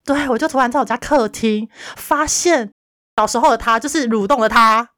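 A woman with a Taiwanese Mandarin accent, co-hosting a podcast in casual chat and telling a story with lively acted-out dialogue. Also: a little high, moderate pace, no room sound, studio quality. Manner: lively storyteller, acts out her mother's lines. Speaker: podcast co-host.

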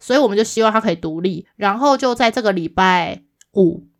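A woman, co-hosting a casual chat podcast and telling a work story in a lively way, acting out the other people's replies. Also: mid-range voice, brisk. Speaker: podcast co-host.

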